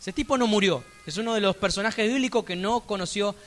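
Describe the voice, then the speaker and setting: A man with an Argentine accent preaching a sermon in church, emphatic, with sudden loud rising peaks and chatty asides. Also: high-pitched, fairly quick, faint music behind. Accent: Argentine Spanish. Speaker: pastor.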